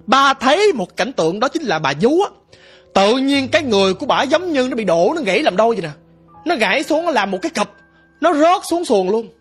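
A woman's voice: fairly high pitch, fairly bright tone, breathy edge. A woman telling a ghost story in a dramatic, conversational way.

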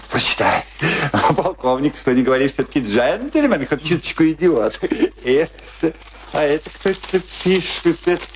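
An actor playing a pompous, sentimental middle-aged island commandant in a radio play, with a theatrical, self-important manner. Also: male voice, on the high side, noisy background. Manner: theatrical, self-important, swinging between gushing and bitter.

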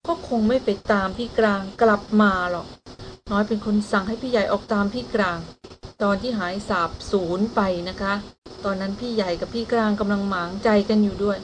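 A woman reading the part of a young woman adventurer, speaking softly, politely and earnestly to her brother. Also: medium pitch, steady tone, a little fast, a little hiss or hum, lightly acted, poor audio.

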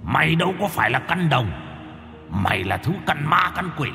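Man doing a gravelly ghost, slow and shrill. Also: sing-song, bright, forceful tone, faint music behind, heavily acted. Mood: menacing taunt. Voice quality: gravelly, taunting. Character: vengeful male hungry ghost, gloating. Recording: long hall reverb.

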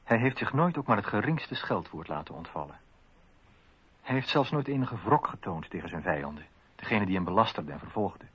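An actor playing a loyal, admiring witness who gives earnest, measured testimony in a radio drama. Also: male voice, fairly low pitch, very animated, husky. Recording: dull lo-fi radio recording.

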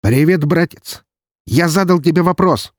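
Audiobook: male reader as a yelling, exasperated older brother, pitched up and loud, husky timbre. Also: wildly swooping pitch, brisk, no room sound, studio quality. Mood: furious shouting. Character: furious older brother, young man, shouting.

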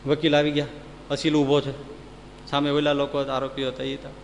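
A man giving a lively sermon full of stories. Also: on the high side, moderate pace, gravelly, big-room sound, a little hiss or hum. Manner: storytelling, lively, animated. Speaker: religious speaker.

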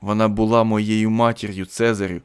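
A man voicing a seductive, imperious Roman noblewoman who speaks softly and then hurls accusations. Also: lowish voice, flat delivery, moderate pace, clean tone, natural voice. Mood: accusing. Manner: soft, whispery, then loud and accusing.

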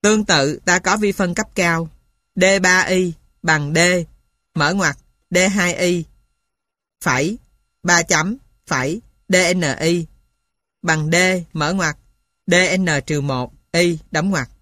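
A woman's voice: lowish voice, takes it slowly, a bit bright, no room sound, studio quality. A woman reading a textbook aloud in a dictating manner, spelling out each item piece by piece as scripted narration. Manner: dictating, spelling out formulas and punctuation symbol by symbol. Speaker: reader of a mathematics textbook.

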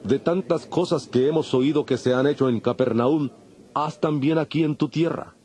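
An actor playing a solemn, authoritative preacher and prophet in a dramatized audio Bible, declaiming with emphasis. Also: male voice, a little high, normal speed, dark tone, slightly rough. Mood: solemn, proclaiming.

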